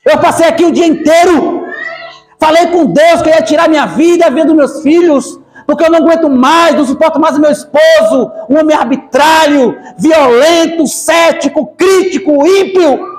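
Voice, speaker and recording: A man's voice: extremely high pitch, normal speed, pitched above the performer's own voice. A man with a Brazilian accent voicing a desperate, weeping woman in agitated, pleading outbursts. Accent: Brazilian Portuguese.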